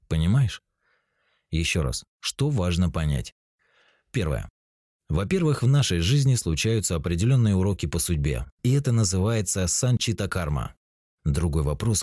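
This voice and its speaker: A man in his forties narrates a spiritual self-help teaching, calm and explanatory. His voice sits very low with a mellow, dark tone. The recording is dry and close, with no room around it. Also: no echo. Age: 40s. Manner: calm, explanatory, addresses the listener directly.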